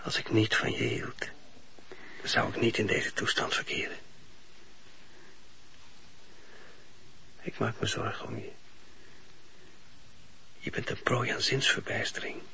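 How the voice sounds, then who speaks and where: Sharp-voiced, grave husband. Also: male voice, lowish voice, flat delivery, vocal fry. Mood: worried, coaxing. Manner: measured, formal, grave. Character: stern, anxious, devout husband, disapproving of a preacher. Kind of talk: Dutch radio play acting. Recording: dull, noisy old radio play tape.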